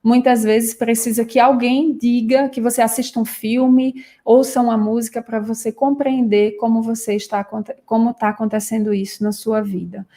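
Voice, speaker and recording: A woman with a Brazilian Portuguese accent, a psychoanalyst calmly explaining ideas with everyday examples in a live talk. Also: a little high, normal speed, few pauses.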